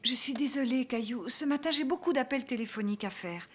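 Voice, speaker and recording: A woman playing a gentle, patient young mother in a children's cartoon dub. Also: sits high, lively intonation, a little fast, very noisy. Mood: kindly. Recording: music behind the dialogue.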